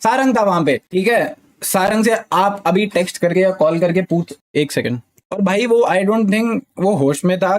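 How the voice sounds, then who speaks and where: Heated Indian man, higher voice. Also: a little mellow. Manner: heated, defensive, repeats "ठीक है" often. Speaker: gaming streamer. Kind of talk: live stream talk to chat.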